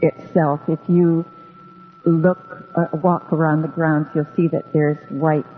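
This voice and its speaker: A Hawaiian woman whose first language is Hawaiian tells stories as a guest in a relaxed radio interview, unhurried and meandering with many ums. Her voice is low and level. The sound is tinny and narrow like a phone, with a long echoing reverb and faint music.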